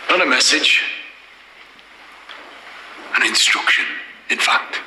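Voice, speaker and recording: A commanding Birmingham gang boss. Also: male voice, mid-range voice, lively intonation. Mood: cold, commanding. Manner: slow, measured, with long weighty pauses. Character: hard, commanding male gang boss turned politician. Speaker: political speaker addressing parliament. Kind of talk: dramatic series acting. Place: large hall. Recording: echoey hall reverb, faint noise.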